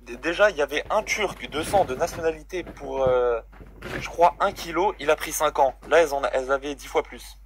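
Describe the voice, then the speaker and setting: A man's voice: a little high, brisk, a little hiss or hum. A man calling in to a live stream, chatting casually in a blunt, indignant way.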